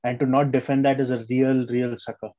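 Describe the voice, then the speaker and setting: Mellow South Asian-accented man co-hosting a podcast. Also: mid-range voice, level tone, fairly quick, lo-fi sound. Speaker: podcast co-host. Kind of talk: casual sports discussion mixing in Hindi-Urdu.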